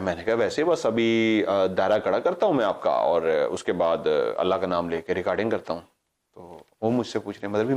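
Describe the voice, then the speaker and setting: A middle-aged man, casually telling a story as a paranormal show host, acting out the dialogue and stopping to correct himself. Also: deep voice. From Pakistan. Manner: animated, acts out quoted dialogue, digresses and corrects himself.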